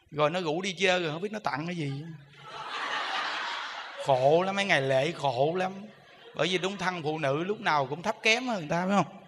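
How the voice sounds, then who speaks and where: A man's voice: high-pitched, pushed and bright, long reverb tail, a little hiss or hum. A man with a Southern Vietnamese accent giving a humorous dharma talk as a Buddhist monk. He is chatty and teasing, and keeps asking the audience whether they agree.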